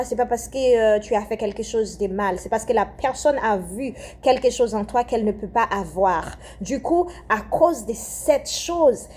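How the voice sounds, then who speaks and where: A woman's voice: a little high, dark tone, a little hiss or hum. A young Haitian-born woman with a French accent giving a fervent spoken prayer message, repeating phrases and often restarting her sentences. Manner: fervent, repetitive, with hesitations and restarts.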